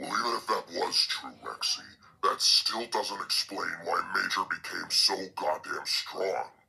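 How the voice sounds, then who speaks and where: A man performs a put-on character voice at a fairly slow pace. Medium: machinima. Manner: skeptical.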